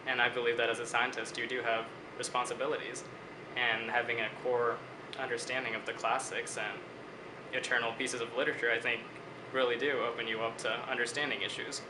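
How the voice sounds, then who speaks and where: A man's voice: mid-range voice, flat delivery, noisy background. Articulate young man in an echoey room. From Bangladesh. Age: 20s. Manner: measured, articulate, reflective. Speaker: student interviewee. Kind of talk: interview answers.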